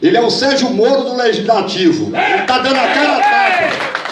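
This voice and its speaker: A man speaks with an animated tone at an extremely high pitch, his voice swinging very widely, over noticeable background noise and audible room echo. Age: 60s. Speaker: retired army officer and businessman. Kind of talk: public speech at political event.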